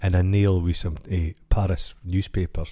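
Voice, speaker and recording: Deep scottish guy rambling thru jokey tangents, podcast chat. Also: level tone, moderate pace, mellow. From Scotland. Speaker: podcast co-host. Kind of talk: casual comedic chat.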